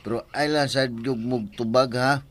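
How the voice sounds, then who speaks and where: An actor playing a flustered older village farmer in a Bisaya radio drama comedy, hesitant and rambling, with a Bisaya accent. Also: male voice, medium pitch, steady tone, measured pace, noisy background, lightly acted. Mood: grumbling. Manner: hesitant, stammering when nervous, rambling.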